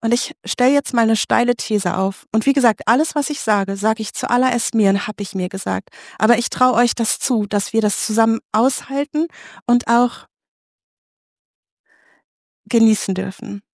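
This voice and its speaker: A woman in her thirties gives an open, emotional testimony as a sermon. Her voice sits fairly high, and the recording is dry and close. She keeps turning to her listeners with direct questions. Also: normal speed, no room sound. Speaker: preacher.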